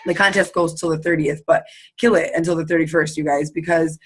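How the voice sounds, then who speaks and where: A woman leading her team over a video call, her voice hoarse and going. She talks in an even, level tone and repeats her points to push them home. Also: deep voice, fairly quick. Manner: upbeat, repeats for emphasis. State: losing her voice, sore throat. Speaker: team leader. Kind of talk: casual motivational team call.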